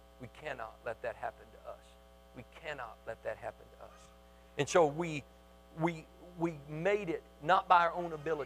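In a Southern US accent, the speaker talks at a moderate pace with long, frequent pauses, an animated tone, ordinary pitch variation and big swings in loudness. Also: man, fairly high pitch for a man. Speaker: pastor. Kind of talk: sermon. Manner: animated, fervent preacher in full flow, urging the congregation to repeat lines; emotional, call-and-response delivery with testimony.

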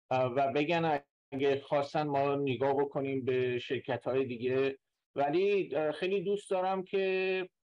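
A man uses a plain, everyday voice at a fairly high pitch and fairly slow pace, with very even loudness and ordinary pitch variation. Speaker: retail investor, former computer worker. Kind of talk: casual chat about stock investing.

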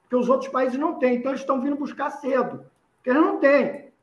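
Fairly even intonation at a fairly quick pace, with audible room echo. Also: man. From Rio de Janeiro, Brazil (Padre Miguel, Bangu). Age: 50s. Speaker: football coach. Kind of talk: interview.

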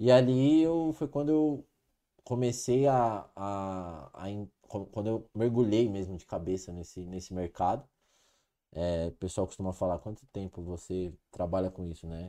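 Against a quiet background, a man with a dark, mellow tone and fairly low pitch speaks at a fairly slow pace, his intonation lively and his loudness swinging widely. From Brazil, Ribeirão Preto (São Paulo state). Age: 30s. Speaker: government sales consultant. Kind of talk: podcast interview.

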